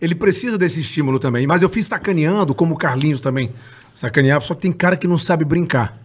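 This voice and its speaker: Fast-talking husky man in casual chat. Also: on the high side.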